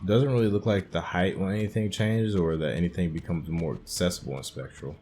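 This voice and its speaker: A man's voice: low-pitched, steady tone, fairly quick, dark tone, faint music behind. A man doing casual let's play commentary, musing and thinking aloud as he works through a video game. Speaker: gamer narrating a playthrough.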